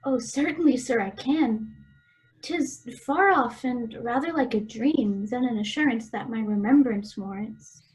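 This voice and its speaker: A woman's voice: a little high, measured pace, close to an everyday voice, rough recording. A woman playing a tender young daughter in an amateur radio-play reading of Shakespeare, earnest and theatrical. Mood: curious, attentive.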